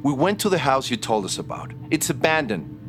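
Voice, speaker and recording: An actor playing a stern police detective who questions firmly and measuredly, then turns accusing. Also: male voice, mid-range voice, sing-song, fairly quick, a bit bright, soft background music. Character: stern hard-pressing male detective.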